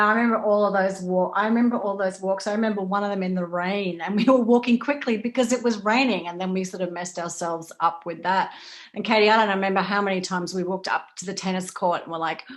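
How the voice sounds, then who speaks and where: A woman with a medium-pitched voice talks casually on a panel. Her phrasing is loose and conversational as she steers the discussion. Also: steady tone, brisk.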